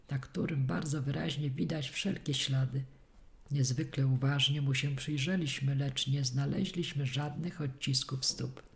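A woman reading a detective story aloud as a steady first-person audiobook narration. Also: very deep voice, gravelly. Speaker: audiobook reader.

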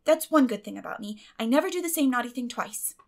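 A woman's voice: a little high, lively intonation, fast talker, creaky, pitched above the performer's own voice. A woman voicing an earnest, dramatic little orphan girl who protests solemnly and emphatically in an audiobook. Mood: apologetic, eager.

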